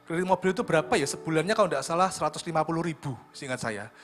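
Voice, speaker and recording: A middle-aged man, preaching a lively sermon and joking with the congregation. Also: a little high, racing. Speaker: pastor. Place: church hall. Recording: church livestream with music behind.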